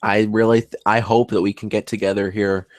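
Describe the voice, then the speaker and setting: A man's voice: on the low side, level tone, brisk, no echo. A man who works as a paranormal investigator, talking in casual conversation in an earnest, rambling way.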